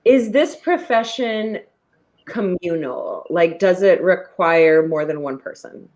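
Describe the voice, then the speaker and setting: A woman talks through a guessing game as a contestant, in casual speech with very mobile pitch. She puzzles aloud and often rephrases herself. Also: lively intonation, slow. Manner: self-correcting, informal, puzzling out loud.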